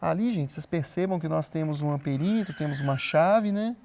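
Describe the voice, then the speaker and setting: Um homem dando uma aula gravada de física, explicando com paciência e conferindo a compreensão dos alunos a cada passo. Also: male voice, on the high side, a little fast, vocal fry, a little mellow, a little hiss or hum. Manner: patient, explanatory, often checks in with "tá?". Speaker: physics teacher. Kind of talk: recorded remote class lesson. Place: studio with a flip chart.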